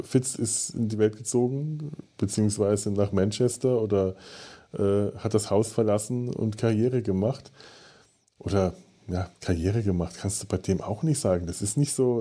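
Male podcast co-host, low and warm, halting delivery. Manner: halting, many fillers and restarts. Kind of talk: casual podcast discussion.

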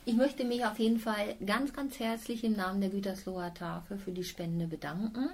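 A woman hosts a local radio interview, welcoming her guests and encouraging them to talk. Her voice sits at an ordinary middle pitch. A faint background hiss runs under her speech. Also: steady tone, moderate pace, darkish tone. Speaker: radio show host.

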